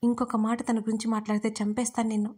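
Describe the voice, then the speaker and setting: A woman voicing an angry, grieving young man in an audio story, harsh and shouting. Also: on the high side, level tone, fast talker, slightly rough.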